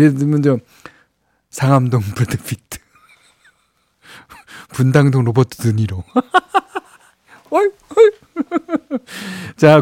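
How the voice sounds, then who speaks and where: A man's voice: mid-range voice, warm tone, no room sound. A middle-aged man hosting a radio show, chatting casually and chuckling as he reads listener messages. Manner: chatty, chuckles often, many fillers. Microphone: studio microphone. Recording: dry studio sound.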